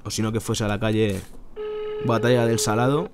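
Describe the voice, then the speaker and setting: A man from Spain with a Spanish accent speaks in a lowish voice with little pitch movement and a moderate pace, over background noise and music. He's calling in on the phone while narrating his own video, commenting informally to viewers in a colloquial, indignant way.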